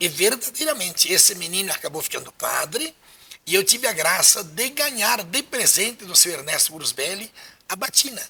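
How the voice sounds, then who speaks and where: A man's raised, projected voice, high-pitched, with very wide pitch swings at a moderate pace. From southern Brazil, interior of Rio Grande do Sul. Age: 70s. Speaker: priest. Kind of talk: interview testimony.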